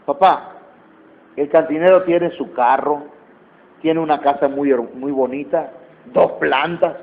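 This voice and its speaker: A man's voice: a little high, voice pushed down. A Mexican man playing a young boy who earnestly explains things to his father. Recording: tinny phone-like sound.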